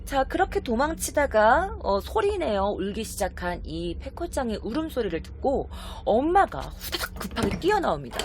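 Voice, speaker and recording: Brief: woman storyteller, casual spooky tale, very lively pitch, faint background hiss. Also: normal speed, few pauses. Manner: chatty, animated, acts out short quoted voices. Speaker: YouTube storyteller.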